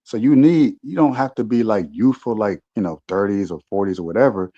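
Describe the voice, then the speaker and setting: A man's voice: lowish voice, a little fast, lo-fi sound. A man in a casual podcast chat, talking reflectively, with frequent restarts. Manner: reflective, rambling with many restarts. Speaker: podcast co-host.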